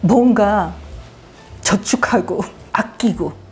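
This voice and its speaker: An older woman hosting her own show, telling her life story in a lively, self-mocking way. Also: mid-range voice, extremely slow, faint music behind. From Daegu, South Korea. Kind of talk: casual storytelling chat.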